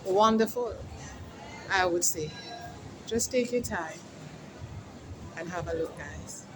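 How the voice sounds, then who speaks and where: Lady vlogger, slow easy talk, chatty w viewers, faint street noise outside. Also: fairly low pitch. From Jamaica. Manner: chatty, addresses viewers as guys. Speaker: host. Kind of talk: casual vlog interview. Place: outdoors at a mall food court.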